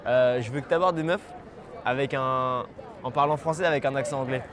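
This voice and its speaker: A young man coaching a student out on a city street, animated and encouraging as he explains what went right and wrong. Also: medium pitch, brisk. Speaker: dating coach. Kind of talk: on-the-spot coaching feedback. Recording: outdoor street with traffic noise.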